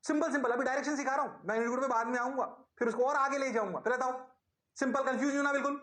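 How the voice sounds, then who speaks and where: A man leads an online physics class in a bright, high voice. He is energetic and coaxing and keeps repeating his questions to get the students to answer. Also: rapid-fire, echoey room. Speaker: physics teacher.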